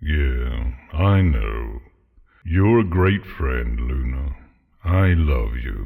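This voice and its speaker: The speaker uses a put-on character voice at a very slow pace. Long, frequent pauses break up the lines. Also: man, very deep, low pitch for a man. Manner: warm, friendly.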